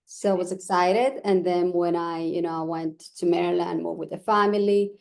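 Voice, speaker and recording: A woman's voice: lowish voice, steady tone, moderate pace, creaky, a little mellow. A woman in her forties from Ecuador, a native Spanish speaker with an Ecuadorian accent, talking casually as an interview guest. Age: 40s. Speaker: podcast guest, vocal sound healer.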